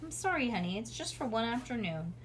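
A woman voicing a patient mother, calm and reassuring but firm, in a children's story. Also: fairly high pitch, brisk, a little hiss or hum. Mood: soothing.

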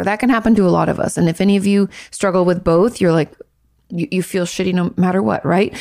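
Woman therapist host, hoarse and raspy, gravelly edge, dry close sound. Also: fairly low pitch, a little mellow, no room sound. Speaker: host, licensed marriage and family therapist. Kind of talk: casual advice talk.

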